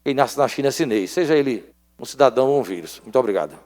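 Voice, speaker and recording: A man's voice: mid-range voice, lively intonation, quick pace, darkish tone. A man, a state legislator making an emphatic floor speech and repeating his points for stress. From Alagoas, Brazil. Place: legislative assembly chamber. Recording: long reverb of an assembly chamber.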